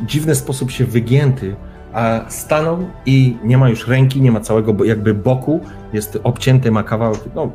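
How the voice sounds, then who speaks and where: A man's voice: mid-range voice, moderate pace, few pauses, dark tone, faint music behind. A man running a tabletop role-playing session as game master, narrating immersively in the second person with dramatic build-up.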